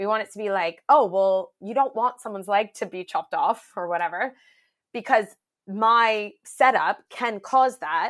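A woman's unremarkable speaking voice, medium in pitch with ordinary pitch variation, on a very clean recording with a silent background. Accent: Canadian. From Canada. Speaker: nonprofit managing director. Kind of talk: interview answers.

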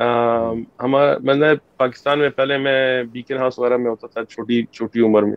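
Speaking at a medium pitch, a man keeps a flat, monotone intonation throughout. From Pakistan, Islamabad (Pashtun family). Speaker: Islamic scholar and preacher. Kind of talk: interview. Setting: video call.

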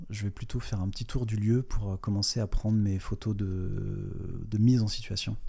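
A man's voice is fairly low, dark and mellow. It sounds somewhat breathy, with fairly even intonation. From Brittany, Finistère (Châteaulin). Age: 30s. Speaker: wedding photographer. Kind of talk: casual interview chat.

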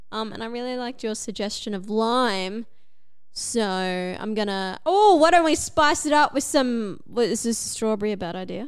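A woman speaks with an Australian accent at a moderate pace and a fairly high pitch. Her intonation is lively, with big swings in loudness. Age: 20s. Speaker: podcast co-host. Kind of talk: casual chat.

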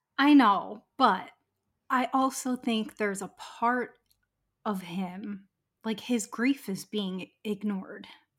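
On a very clean recording with a silent background, a woman speaks somewhat breathily at a very slow pace, leaving long, frequent pauses. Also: fairly high pitch for a woman, ordinary pitch variation. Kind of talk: casual chat. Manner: chatty, joking.

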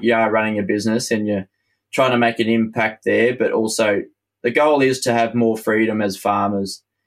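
Recorded very cleanly with a silent background, a man speaks in an Australian accent. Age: 20s. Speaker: farming podcast host. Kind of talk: casual interview.

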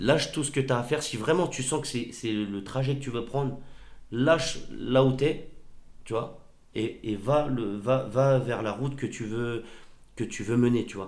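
Audible room echo surrounds a man speaking at a medium pitch with ordinary pitch variation. He goes at a fairly slow pace with long, frequent pauses. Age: 30s. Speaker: tradesman running an interior renovation business. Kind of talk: casual interview. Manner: hesitant, many fillers.

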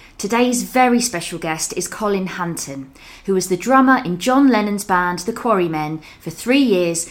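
With lively intonation and a medium pitch, a woman talks in a plain, everyday voice. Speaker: podcast host. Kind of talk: casual interview. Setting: in guest's home.

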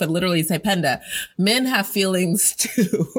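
A woman with a medium pitch talks rather fast, her pitch moving in a normal way. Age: 30s. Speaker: podcast host. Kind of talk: podcast interview. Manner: animated.

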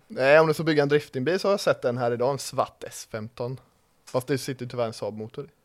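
An unremarkable speaking voice from a man, fairly high in pitch and fairly quick, with ordinary pitch variation on a very clean recording with a silent background. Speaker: drag racing driver and crew member. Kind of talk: casual chat.

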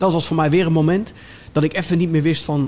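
A man talks with an unremarkable speaking voice. His pitch is fairly high and his pace fairly quick. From Netherlands, The Hague. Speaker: zen teacher and former hardcore DJ. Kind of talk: casual interview. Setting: cafe studio.

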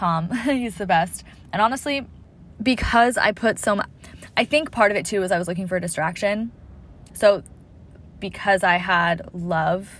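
A woman with a West Coast American accent, medium pitch and a moderate pace. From US Pacific Northwest, Seattle. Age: 20s. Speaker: fitness studio owner, podcast host. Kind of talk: casual solo monologue. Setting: in a car at the beach. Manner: relaxed with pauses.

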